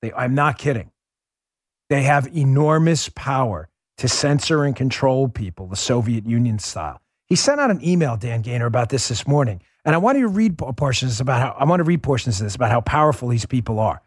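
Animated and brisk, a middle-aged political podcast host runs through a monologue at a studio mic with no echo. He speaks emphatically, calls his audience folks, and swings his volume loud and soft, dropping low for emphasis.

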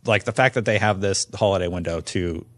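A man's voice: low-pitched, brisk, a bit bright. A man chatting casually about video games as a podcast panelist.

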